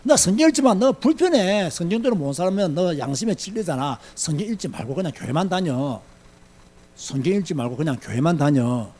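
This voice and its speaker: A man voicing a sly male devil who whispers temptations in a low, coaxing, taunting tone. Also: animated, brisk, a little mellow, slight background noise, natural voice.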